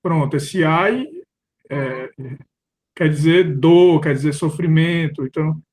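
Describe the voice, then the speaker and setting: A man's voice: a little high, takes it slowly, darkish tone. Uncertain questioning Brazilian man. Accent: Brazilian Portuguese. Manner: questioning, uncertain, restarts often. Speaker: philosophy study group participant. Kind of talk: casual discussion.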